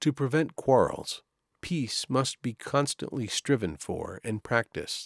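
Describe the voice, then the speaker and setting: A man talks at a fairly slow pace with lively intonation. It is an unremarkable speaking voice, with dry, close sound and no echo. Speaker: voice actor. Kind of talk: inspirational quote reading.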